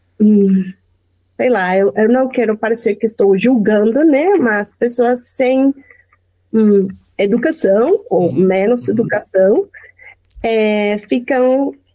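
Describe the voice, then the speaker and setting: A woman with a dark, mellow tone and fairly high pitch speaks at a very slow pace, with long, frequent pauses, very even loudness and lively intonation. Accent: Spanish. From Mexico. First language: Spanish (speaking Portuguese). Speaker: teacher. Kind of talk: casual chat.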